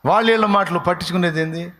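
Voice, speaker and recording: A male pastor delivers a lively sermon, firing off rhetorical questions and bursts of praise. His voice sits somewhat high for a man. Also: fast.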